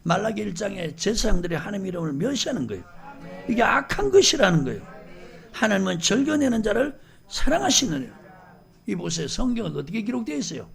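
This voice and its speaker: A man's voice: high voice, sing-song, fast, creaky, a bit bright. A male pastor preaching a fervent, scolding sermon, firing rhetorical questions at his congregation.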